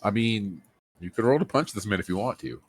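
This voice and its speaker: A very low-pitched man runs a tabletop game, picking his words with frequent pauses and restarts. He narrates the scene for his players over voice chat. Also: expressive, slight background noise. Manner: hesitant, many fillers and restarts. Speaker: game master.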